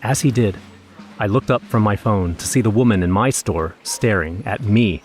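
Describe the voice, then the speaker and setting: A man's voice: fairly low pitch, normal speed, faint music behind, lightly acted. An actor playing an anxious young man who narrates his own horror story in a scripted audio drama. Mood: dread. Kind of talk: first-person scripted horror narration with acted dialogue.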